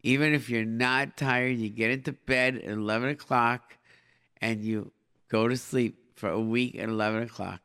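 A man's voice: medium pitch, steady tone, normal speed, bright, forceful tone, smooth. A middle-aged man hosting a live call-in show, giving informal advice in short repeated phrases peppered with Hebrew and Yiddish expressions. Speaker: radio call-in show host and advice giver.

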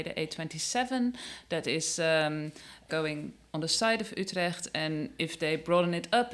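A woman's voice: low voice, a bit bright. A woman in her forties with a Dutch accent, a podcast guest describing her activist group earnestly, with some fillers. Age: 40s. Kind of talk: conversational explanation.

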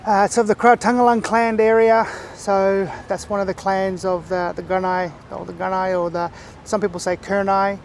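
Higher-pitched man with Aboriginal Australian accent. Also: flat delivery, normal speed, few pauses, a little hiss or hum. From Far East Gippsland, Victoria, Australia. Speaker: interview guest. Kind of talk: reflective casual interview talk.

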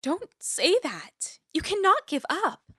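Give this one a high, bright female voice in a dry audio drama recording. She is a fiercely principled campus activist, emphatic and rhetorical, with indignation never far away. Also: big pitch swings, takes it slowly, no echo, heavily acted. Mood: pleading, insistent.

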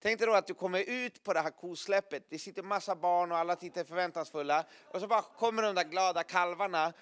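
A man preaching to a gathering in a smooth, resonant voice that sits fairly high. He tells vivid, animated stories, punctuates them with spoken sound effects and laughs easily. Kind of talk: sermon with lively storytelling.

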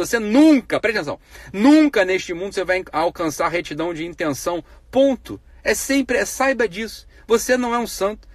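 A man's voice: high-pitched, dry recording. A man hosting a live stream, giving a blunt, profane monologue on ethics full of rhetorical questions. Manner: grows heated and emphatic.

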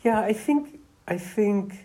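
A male novelist, a guest in a conversational interview, explaining his ideas at length in a measured way. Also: sits high, animated, warm tone.

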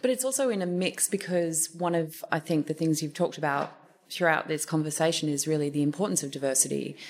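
A woman moderating a panel discussion, leading with measured questions. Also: deep voice, a little mellow.

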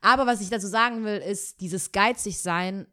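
A woman's voice: mid-range voice, moderate pace, pushed and bright. A young woman, co-hosting a podcast in casual chat, thoughtful and hedging with many fillers. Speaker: podcast co-host.

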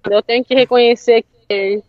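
High-voiced woman laughing through a story. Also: fairly even intonation, moderate pace, no room sound, lo-fi sound. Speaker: interview guest. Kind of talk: casual storytelling chat.

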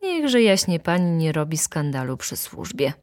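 A woman's voice: low voice, very animated, normal speed, no echo, clean studio sound. A pompous, insolent valet, as a woman narrator puts him on, talking down to everyone in a haughty, commanding voice. He gives orders in the tone of a man who runs the house, as in a storybook reading.

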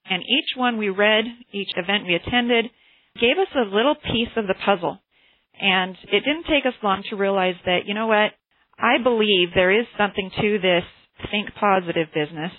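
On a group telephone conference call, a woman who hosts and teaches a motivational class speaks earnestly and shares personal stories. Her voice sits at medium pitch, and the recording is dry over a tinny line.

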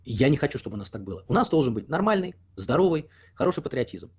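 A young man talks fast in a slightly husky voice. He is a guest in a casual interview. He argues his views at length and leans on fillers while he collects his thoughts. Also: mid-range voice, very animated, lo-fi sound. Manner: talkative, opinionated, explains at length with frequent fillers.

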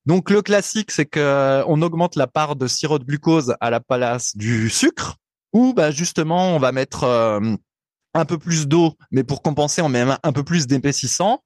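Man, podcast co-host, slightly high voice, talkative explainer, dry close-miked sound. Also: lively intonation, moderate pace, no room sound. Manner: chatty, explanatory, laughs easily. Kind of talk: casual chat.

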